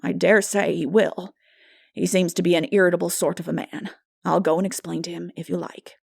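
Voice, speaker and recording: A woman's voice: on the low side, flat delivery, vocal fry, darkish tone, slightly rough, no room sound, clean studio sound, exaggerated voice. A woman reader as a stern, practical older guardian. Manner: brisk, scolding, matter-of-fact. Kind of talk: dramatic audiobook character voice.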